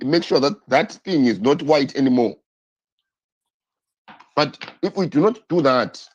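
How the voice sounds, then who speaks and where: A man with a fairly high, slightly rough voice runs a political live stream over dull lo-fi audio. He's fervent, says things again and again, and peppers his talk with rhetorical questions.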